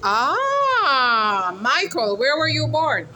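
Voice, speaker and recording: A woman's voice: high voice, wildly swooping pitch, drawn-out words, sharp tone, a little hiss or hum, low-quality recording. A woman hosting a casual outdoor interview vlog, chatty and calling her viewers "guys". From Jamaica. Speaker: host. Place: outdoors at a mall food court.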